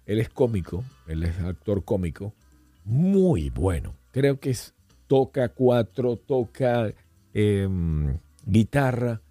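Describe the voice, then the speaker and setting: Guesting on a podcast, a middle-aged man spins casual conversational stories, animatedly dropping into voices and accents as his low pitch swings widely. His tone is dark and mellow with a husky edge, in a close, dry recording with some music beneath.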